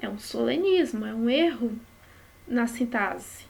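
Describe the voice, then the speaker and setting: A woman's voice: fairly high pitch, expressive, measured pace, creaky. A woman with a Brazilian Portuguese accent teaching a study lesson, explaining patiently and often checking in with short tag questions.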